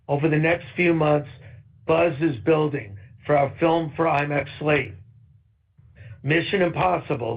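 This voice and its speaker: Guy reading out quarterly results, steady and upbeat, muffled call audio. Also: on the high side. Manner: steady, upbeat, read from a script. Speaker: company executive. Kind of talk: prepared earnings call remarks.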